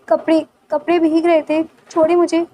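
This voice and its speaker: A woman voicing a timid young woman who speaks softly and hesitantly. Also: very high-pitched, level tone. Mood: shy. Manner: hesitant, soft-spoken.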